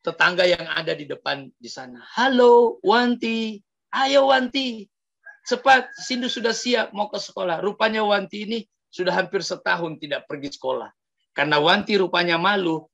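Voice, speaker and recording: A male pastor telling a story in an animated sermon, often addressing the congregation directly. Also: high-pitched, gravelly. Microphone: livestream sermon mic.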